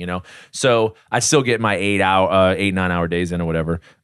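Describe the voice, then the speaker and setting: This man talks at a fairly quick pace with a Southern US accent. His pitch varies in an ordinary way, and the background is quiet. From US South. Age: 30s. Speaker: professional baseball pitcher. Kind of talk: casual interview. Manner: loud.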